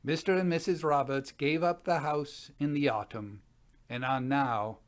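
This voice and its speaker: Casting: man in his sixties as Edwardian ghost investigator, slightly high male voice, measured dramatic reading of a formal report. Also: lightly acted. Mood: formal, matter-of-fact. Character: Edwardian gentleman investigator chronicling a ghost hunt. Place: small home study.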